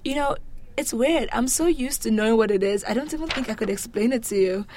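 A young adult woman from Lagos with a Nigerian accent, answering interview questions in a chatty, humorous, expressive way. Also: fairly high pitch, a little fast, noisy background. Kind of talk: casual interview chat.

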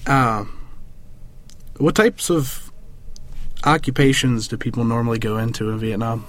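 Male interviewer with a mid-pitched voice. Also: unhurried, fairly bright tone. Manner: brief acknowledgements, plain simple questions. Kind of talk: casual question-and-answer interview.

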